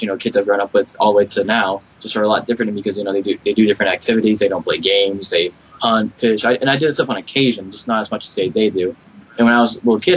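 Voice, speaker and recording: The recording is rough, with a little hiss or hum under it. A young adult podcast guest from Florida, United States, speaks in a General American accent on the low side. His casual chat is earnest and wanders a lot.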